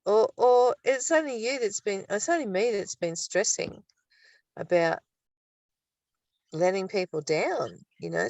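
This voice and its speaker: Low-voiced older woman in a roomy recording. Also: gravelly. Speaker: spiritual study group speaker. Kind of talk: reading aloud and reflective discussion. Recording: roomy, distant microphone.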